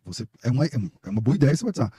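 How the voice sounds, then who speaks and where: A man's voice: medium pitch, big pitch swings, rapid-fire, dark tone, slightly rough, no echo. A middle-aged Brazilian man, a pastor, talking emphatically and telling stories in a casual podcast conversation. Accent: Brazilian Portuguese. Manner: emphatic, storytelling, preacher-like. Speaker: guest pastor.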